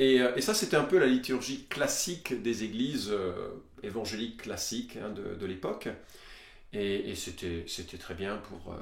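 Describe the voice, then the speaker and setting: A man's somewhat breathy, medium-pitched voice at a fairly slow pace, with lively intonation, big swings in loudness and audible room echo. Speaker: pastor. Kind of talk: podcast conversation.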